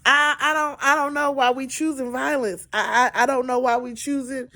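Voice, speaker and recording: A woman's voice: high-pitched, steady tone, moderate pace, bright, forceful tone. A woman giving a casual weather update, exasperated and emphatic, repeating words for stress. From Georgia, US. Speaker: amateur weather commentator.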